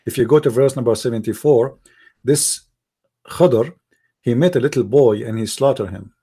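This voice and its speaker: A man's voice: mid-range voice, moderate pace, warm tone, husky. A man with an Arabic accent, a native Arabic speaker, hosting a heated religious debate in a confrontational, insistent way, repeating his phrases and questions. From Middle East.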